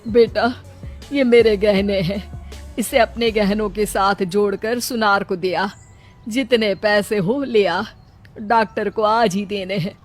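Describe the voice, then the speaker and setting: A woman's voice: mid-range voice, steady tone, slow pace, soft background music. A woman voicing a worried elderly village mother-in-law in a cartoon, talking in a pleading, fretful way. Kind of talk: cartoon voice acting.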